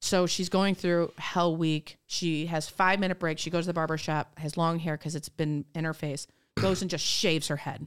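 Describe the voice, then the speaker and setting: In a very clean recording with a silent background, a woman talks at a fairly quick pace in an ordinary speaking voice. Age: 40s. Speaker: teacher with alopecia. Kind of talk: casual chat.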